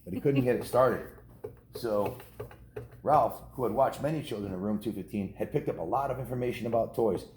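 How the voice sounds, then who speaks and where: Reading a children's book to a group of kids, this American man in his fifties has a mid-range, slightly mellow voice and moves at a fairly quick clip. His storytelling is folksy and relaxed, full of offhand asides, and he often repeats and corrects himself. There's a roomy echo and a little background noise.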